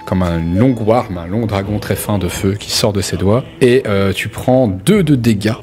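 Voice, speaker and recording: Give me a low-pitched man game-mastering, conversational and a bit halting, with soft music behind. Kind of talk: improvised narration of a tabletop role-playing game.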